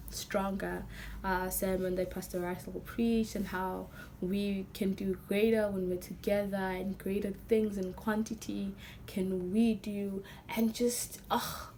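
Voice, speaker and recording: A young woman with a hoarse, nearly lost voice, talking excitedly and rambling with many fillers in a casual vlog. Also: mid-range voice, slight background noise. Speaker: vlogger.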